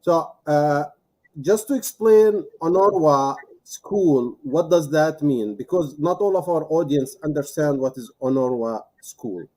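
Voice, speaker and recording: A man interviewing a guest, encouraging and a little halting in English. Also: a little high, lively intonation, a little mellow, rough recording. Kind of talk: interview questions.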